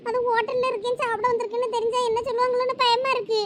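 A woman's voice: very high voice, little pitch movement, racing, a little hiss or hum. A young woman playing a frightened college student caught lying to her father, anxious and pleading. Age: young adult. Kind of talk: village comedy skit acting.

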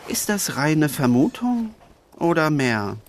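An actor playing a sardonic, impatient newspaper reporter in a German crime audio drama. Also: male voice, a little high, big pitch swings, slow pace.

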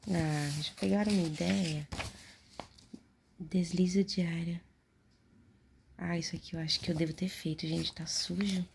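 A Brazilian woman doing casual ASMR in a hushed low voice right in your ear, often slipping into a whisper as she reads aloud and comments offhand. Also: steady tone, measured pace, gravelly, long pauses. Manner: murmured reading aloud mixed with offhand remarks. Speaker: ASMR video host. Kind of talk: soft-spoken and whispered ASMR, casual chat. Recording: noisy close home recording, handling clicks.

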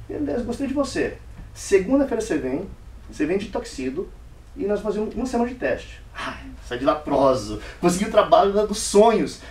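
A man with a fairly high voice tells a lively story as a speech, and his pitch swings widely as he acts out each exchange. He is recorded from a distance in an echoey room, with faint room noise behind him. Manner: animated, acts out dialogue in varied voices. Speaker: speaker giving a club speech. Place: meeting room.

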